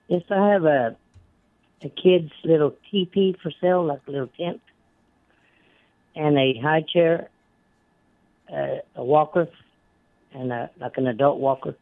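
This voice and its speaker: A man calling in to a radio swap show over the phone, listing items for sale with halting pauses. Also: a little high, vocal fry, dry recording. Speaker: caller. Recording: narrow tinny phone line.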